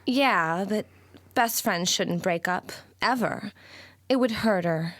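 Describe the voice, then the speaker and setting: Slow, remorseful young lover. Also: female voice, mid-range voice, a bit bright, no echo, clean studio sound. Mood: guilty, sad. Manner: hesitant, remorseful. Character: guilt-ridden young woman in love, earnest. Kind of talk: audio drama dialogue.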